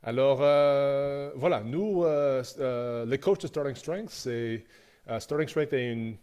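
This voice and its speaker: A man's voice: medium pitch, takes it slowly, a little mellow, clean tone. Man, hesitant coach. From Canada. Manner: hesitant, many fillers and restarts. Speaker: strength coach. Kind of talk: live Q&A presentation. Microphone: live stream.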